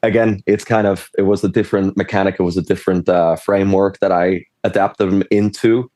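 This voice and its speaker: A man's voice: sits low, steady tone, a little fast, dark tone, dry recording. A man from Switzerland, talking on a panel in a rambling way, often stopping himself and laughing. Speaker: panelist, game designer. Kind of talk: casual panel discussion.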